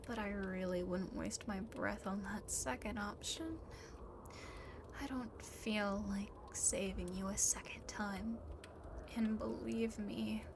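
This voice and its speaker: Over noticeable background noise comes a lonely demon girl, acted by a woman, in an ASMR roleplay. She talks very slowly in a fairly high, soft voice that often sinks to a whisper. Her manner is coaxing, condescending and possessive, with a faint threat underneath. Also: creaky. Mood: taunting, menacing. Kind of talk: ASMR roleplay, speaking to the listener.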